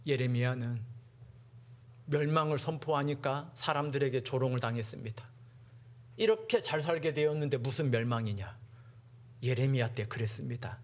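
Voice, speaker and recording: A man preaching a dramatic sermon to teenagers, acting out mocking classmates and swinging from hushed to loud. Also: mid-range voice, moderate pace, long pauses. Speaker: youth preacher.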